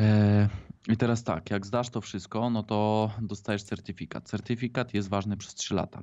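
Pitched fairly low, a man speaks with monotone, flat intonation. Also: moderate pace. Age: 30s. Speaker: former emergency dispatcher and paramedic. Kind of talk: casual interview.

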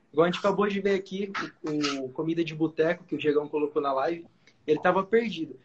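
A man with a high pitch, ordinary pitch variation and a very fast pace. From São Paulo state, Brazil. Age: 20s. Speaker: young entrepreneur. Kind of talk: live mentoring conversation. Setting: video call.

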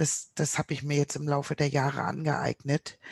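Speaking in a northern German accent, a woman with a very deep, low pitch and a somewhat breathy voice talks at a moderate pace in a dry, close sound with no echo. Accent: northern German dialect still audible. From Hamburg, northern Germany. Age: 50s. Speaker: grief counselor. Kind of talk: personal testimony in interview.

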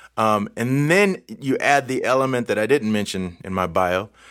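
A man speaks at medium pitch in an unremarkable speaking voice. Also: very clean recording, silent background. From Texas. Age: 50s. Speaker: church minister. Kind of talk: casual interview.

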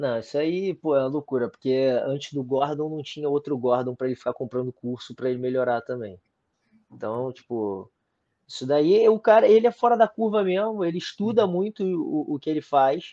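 Moving at a fairly quick pace, a man with a fairly high pitch makes very wide pitch swings. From Rio de Janeiro, Brazil (Copacabana). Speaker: jiu-jitsu fighter. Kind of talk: casual chat.

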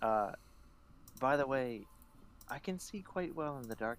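A man in an ordinary speaking voice, medium in pitch, with ordinary pitch variation. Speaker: tabletop game player. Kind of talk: tabletop role-play game session.

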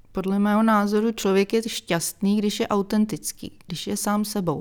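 At a fairly slow pace, a woman with a normal speaking voice talks in a medium pitch with ordinary pitch variation. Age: 50s. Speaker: university lecturer in economics. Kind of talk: interview. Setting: studio.

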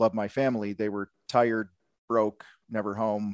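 A man with an ordinary speaking voice talks at a fairly quick pace and medium pitch. The sound is dry and close with no echo, against a quiet background. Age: 50s. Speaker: contractor business coach. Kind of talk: casual interview.

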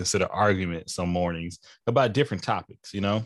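The speaker has a Texas accent and talks at a fairly quick pace with ordinary pitch variation. The background is quiet. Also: man. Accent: Southern US, Texas. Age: 30s. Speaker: podcast host. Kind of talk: casual chat.

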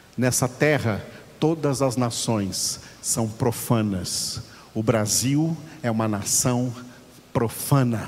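Very slow speech from a man at medium pitch, with ordinary pitch variation, long, frequent pauses, audible room echo and noticeable background noise. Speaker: pastor. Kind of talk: sermon.

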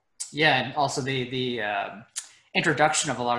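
A man with a Canadian accent talks at a fairly quick pace in a medium pitch. His intonation is fairly even, with noticeable background noise behind him. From Toronto, Canada. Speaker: radiologist and podcast host. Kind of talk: interview, casual discussion.

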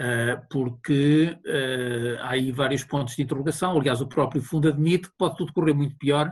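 On a very clean recording with a silent background, a man with a European Portuguese accent speaks at a moderate pace in a fairly high, somewhat breathy voice with fairly even intonation. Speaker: economics professor. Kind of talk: interview.

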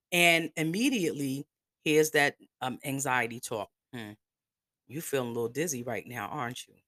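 A woman speaks at a moderate pace with a very deep, low pitch, a bright, sharp tone and ordinary pitch variation, her delivery animated and her loudness swinging widely. The sound is dry and close with no echo, and she leaves long, frequent pauses. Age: 50s. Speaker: podcast host. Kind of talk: casual monologue.

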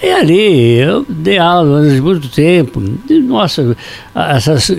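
There is noticeable background noise as a man speaks. His pitch swings very widely. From São Paulo state interior, Franca. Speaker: state politician. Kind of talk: interview. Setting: studio.

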